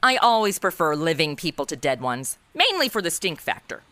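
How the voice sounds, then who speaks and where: An actress playing a sassy, flippant modern twenty-something in a comedic noir audio drama, slangy and snarky. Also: female voice, deep voice, sing-song, fairly quick, fairly bright tone.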